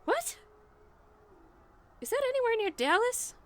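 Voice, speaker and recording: A brash, frantic woman, as an actress plays her, stranded in hell in a comedic audio drama. Her voice is very high and swings widely. She rambles in slow, drawn-out bursts. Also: sing-song, fairly bright tone, heavily acted. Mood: panicked, confused.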